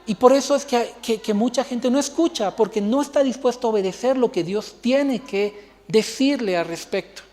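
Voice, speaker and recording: A man's voice: extremely high pitch, moderate pace, darkish tone, long reverb tail. A male pastor preaching a sermon, telling a personal story and acting out the dialogue. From Bolivia.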